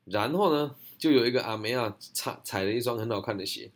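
A man's voice: mid-range voice, a little fast. A young man with a Taiwanese Mandarin accent, answering audience questions in a blunt, slangy, chatty way. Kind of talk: casual Q&A monologue.

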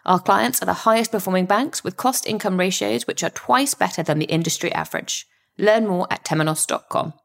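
A woman reading a scripted corporate sponsor message in a polished, measured manner. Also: medium pitch, vocal fry. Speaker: sponsor ad announcer.

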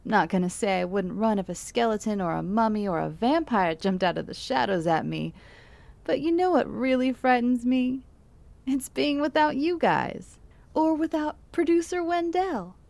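A woman's voice: a little high, darkish tone, no echo. An actress playing a friendly late-night radio DJ who talks in a chatty, intimate way to her listeners.

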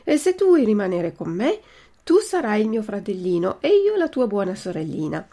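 A woman voicing a kind fairy who speaks calmly and reassuringly. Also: medium pitch, moderate pace. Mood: tender. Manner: calm, reassuring.

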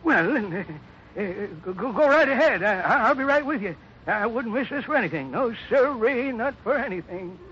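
An actor playing a polite but secretly bitter old American man in a 1950s radio drama, halting and guarded. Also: very high-pitched, animated, a bit bright, soft background music. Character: polite old stranger hiding bitter thirst for revenge. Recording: muffled, hissy 1950s radio recording.

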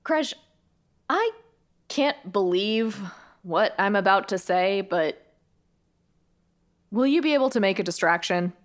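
A woman's voice: mid-range voice, expressive, takes it slowly, long pauses. An actress playing a practical, skeptical tech expert, a woman on a crew in a sci-fi audio drama. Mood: reluctant.

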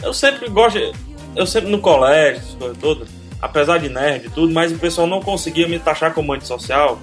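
A man with a high voice and a Cearense accent tells stories from his past with a self-deprecating wit. The chat is loose and casual, with faint music running underneath. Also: expressive, brisk. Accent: Cearense Brazilian Portuguese. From Ceará, Brazil. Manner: storytelling, self-deprecating humor. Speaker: podcast guest.

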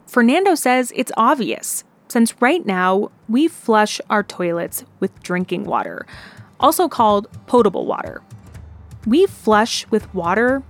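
A woman reporter narrating a radio news feature in a clear, steady way. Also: on the high side, measured pace, soft background music.

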